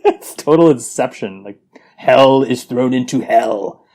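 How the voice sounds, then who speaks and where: Man, podcast co-host, sarcastic quips, laughs a lot, mid-pitched voice. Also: unhurried, dark tone. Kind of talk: casual comedic chat.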